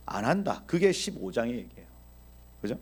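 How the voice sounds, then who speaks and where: A man teaching a Bible exposition in an animated preaching style, speaking directly to his audience and acting out scenes. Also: medium pitch, normal speed, slightly rough. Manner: animated, acts out quoted dialogue.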